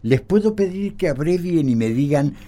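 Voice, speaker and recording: An actor playing a condescending, evasive company representative in a radio play, haughty and grudging in manner. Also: male voice, a little high, animated, normal speed, dark tone, natural voice. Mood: grudging, impatient. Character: condescending, evasive male gas company representative, begrudging and impatient. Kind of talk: Spanish-language radio theatre acting.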